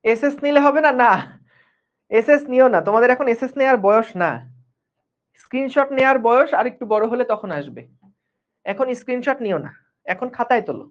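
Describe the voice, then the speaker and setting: A man's voice: extremely high pitch, lively intonation, a little fast, pauses often. A man tutors physics in a live online class. He talks in a loose, chatty way and keeps checking that his students are following. The stream audio sounds dull and lo-fi. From Bangladesh.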